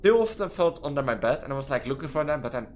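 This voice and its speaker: A young adult trans woman with a Dutch accent, a gaming video creator, reads quiz questions aloud and answers them from her student apartment. Her rumbling low, expressive voice rambles and halts, restarting words mid-sentence, over a noisy background.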